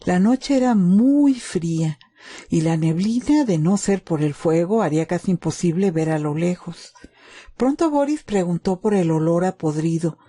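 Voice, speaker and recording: A woman's voice: on the low side, expressive, moderate pace, dark tone. A woman telling a scripted story as a dramatic narrator. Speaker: storyteller, channel host.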